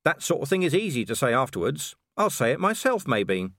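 Brief: male narrator as an angry, worn-out watch commander, audiobook; raised, lively, clipped delivery. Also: mid-range voice, fairly quick, no room sound, clean studio sound, voice pushed up. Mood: bitter, angry. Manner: growling, bitter, raised and forceful. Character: grim, furious middle-aged male city watch commander. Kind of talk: audiobook character reading.

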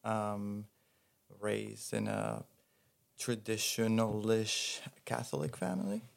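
A man in his thirties from Venezuela with a low, gravelly voice. He talks in a thoughtful, unhurried way, pausing to find his words as a podcast guest. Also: lively intonation. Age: 30s. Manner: thoughtful, unhurried, with pauses and fillers. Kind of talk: casual chat.

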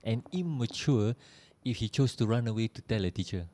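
A man's voice: fairly low pitch, expressive, brisk, dark tone. A man in a casual podcast discussion, questioning and restating points to clarify them. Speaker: podcast panellist.

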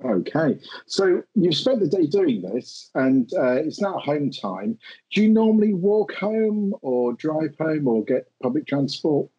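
Guy gm for a tabletop game, lots of uhs, kinda raspy, muffled lo-fi audio. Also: on the high side, sing-song, measured pace, mellow. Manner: hesitant, many ums and uhs. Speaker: game master.

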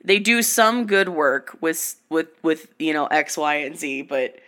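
A woman co-hosting a podcast in casual chat, a little hoarse after being sick, swearing freely and acting out the people she talks about. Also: low-pitched, a little slow. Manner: animated, swears a lot, acts out quoted exchanges. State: slightly hoarse after illness. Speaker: podcast co-host.

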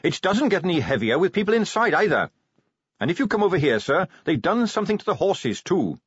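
An eager, respectful young captain of the watch, pitched noticeably higher as a man reading the story puts him on. His talk bounces with lively rises and falls, over a husky edge. The recording is dry and a bit dull. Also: fairly quick, no echo, heavily acted. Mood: earnest. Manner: eager, respectful, keeps saying sir. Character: earnest polite young male watch captain. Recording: dry, slightly dull lo-fi sound.

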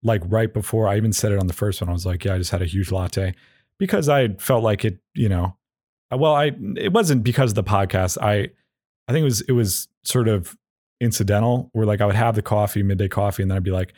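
Man, low voice, podcast host, casual rambling, halting and repetitive phrasing, self-deprecating, goofy dry humor, close dry sound. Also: darkish tone, no echo.

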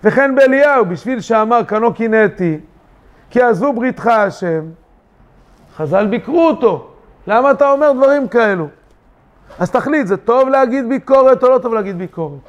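A man, a rabbi, teaching a weekly yeshiva Torah lesson, lively with rhetorical questions and acted-out quotes. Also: extremely high pitch. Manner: animated, rhetorical questions, acts out quoted voices. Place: yeshiva study hall. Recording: dull lo-fi recording.

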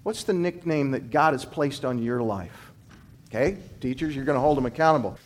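A man who was a gymnastics coach, giving a motivational Christian talk to students and teachers with emphatic storytelling and big swings in pitch and loudness. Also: moderate pace. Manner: drops low and quiet to land key points. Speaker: former gymnastics coach, speaker.

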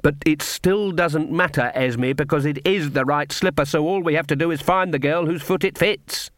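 A man's voice: a little high, moderate pace, fairly bright tone, no echo, clean studio sound, pitched above the performer's own voice, lightly acted. A man voicing a cold, haughty older witch woman. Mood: curt, commanding. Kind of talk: audiobook character acting.

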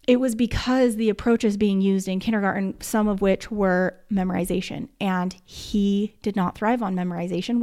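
A woman's voice: mid-range voice, a little mellow. A woman who teaches first grade, talking casually and emphatically in a podcast monologue, with lots of "like". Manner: emphatic and chatty, says "like" often.

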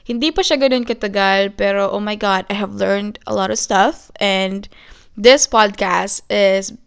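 A woman's voice: mid-range voice, measured pace, gravelly, smooth. A young woman with a Filipino accent hosting a casual solo podcast, chatting and switching between Tagalog and English, a little nervous, recorded on a phone in her bedroom. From Philippines. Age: young adult. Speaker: podcast host.

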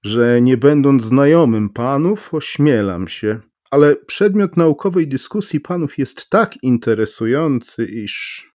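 A man reading an audiobook, voicing an overly courteous foreign male stranger with a low voice that turns shrill, speaking slowly with a foreign accent. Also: expressive, a little mellow, no echo, studio quality, natural voice. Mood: polite, inquisitive. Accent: foreign accent in speech. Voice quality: low voice, turning shrill with curiosity. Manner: slow, overly polite, theatrical exclamations.

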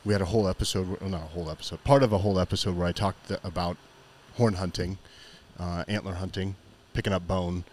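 A man's voice: sits low, fairly even intonation, fast, hardly any pauses, a little mellow, slight background noise. A man hosting a podcast on location, chatting casually in a rambling, jokey, informal way. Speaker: podcast host. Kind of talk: casual chat. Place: on location at an eatery.

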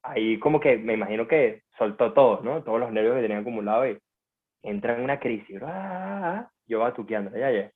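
A man's voice: on the low side, quick pace, husky. Slangy Venezuelan man, phone-like sound. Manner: slangy, informal. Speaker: guest. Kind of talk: casual storytelling.

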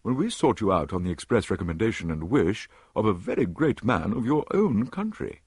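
A man voicing a troubled elderly English statesman in an audiobook, measured and formal. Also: lowish voice, very animated, darkish tone, husky, dry recording, studio quality, pitched above the performer's own voice, exaggerated voice. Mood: grave.

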